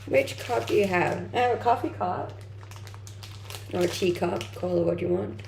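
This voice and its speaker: Speaking at a normal speed, this young native Danish speaker from Denmark has a medium-pitched, creaky voice with a darkish tone. She hosts a livestream, casually reading out viewer comments and responding to them. Faint background noise and a roomy echo are audible.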